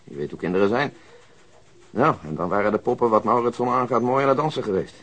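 An actor playing a measured, pessimistic police detective in a radio drama, speaking in a deliberate, understated way. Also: male voice, mid-range voice, a bit bright, lightly acted. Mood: measured, doubtful.

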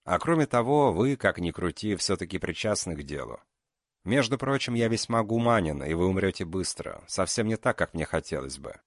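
A man voicing a calm, mocking male killer known as the beast. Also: low voice, no echo, clean studio sound. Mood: cold. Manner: cold, unhurried, mocking.

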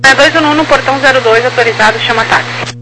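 A woman's voice: high voice, fast talker, over music. A woman working as an air traffic ground controller, giving terse, businesslike procedural instructions over a walkie-talkie style radio. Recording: noisy radio transmission, vehicle-like background noise.

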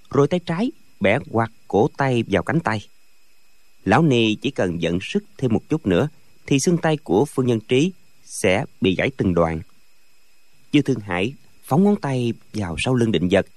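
A man narrating a martial arts novel as an audiobook, with expressive storytelling. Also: medium pitch, no echo.

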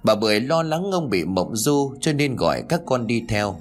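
A male storyteller reading a scripted folk story with expressive, dramatic delivery. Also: mid-range voice, normal speed. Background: faint music.

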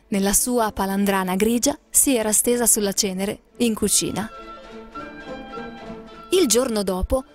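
A woman narrating a fairy tale aloud in a lilting, expressive storybook manner. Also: mid-range voice.

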